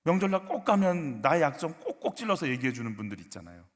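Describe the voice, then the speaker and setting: A male pastor preaching a sermon, questioning the congregation and acting out short skits in a softer, lower voice. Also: very animated, quick pace, in a large hall. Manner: acts out short skits, softening into a low hushed voice for quoted lines; asks the congregation questions, leads a call-and-response exercise. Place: church sanctuary.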